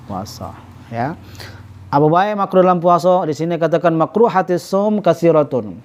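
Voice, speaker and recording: A man teaching a religious study class, reading Arabic phrases slowly, then explaining them with many halting self-corrections and a repeated "ya". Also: on the high side, darkish tone. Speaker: ustadz teaching a kitab class. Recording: dull lo-fi recording.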